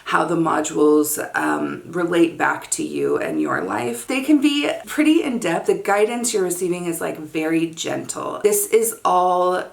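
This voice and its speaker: A woman's voice: fairly low pitch, lively intonation, unhurried, gravelly, hardly any pauses, roomy sound. A woman chatting casually to camera in a vlog, talking informally with frequent fillers. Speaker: vlogger and course creator.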